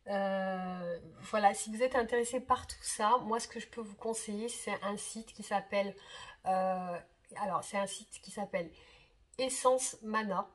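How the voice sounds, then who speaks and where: Slightly hoarse woman, hesitant chat. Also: medium pitch, measured pace. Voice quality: husky. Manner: hesitant, many fillers and repeated words. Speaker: tarot reader and channel host. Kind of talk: casual direct-to-camera chat.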